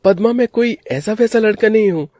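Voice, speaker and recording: A man voicing a smooth-talking young lover in a cartoon, coaxing and persuasive. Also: high-pitched, fairly quick, mellow, faint music behind, pitched above the performer's own voice, close to an everyday voice.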